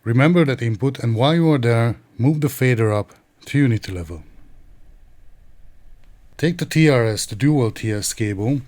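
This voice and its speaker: A man's voice: medium pitch, lively intonation, normal speed, long pauses, a little mellow, no echo. A man narrating an instructional tech tutorial in a methodical, precise, explanatory way. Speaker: tech reviewer and tutorial presenter.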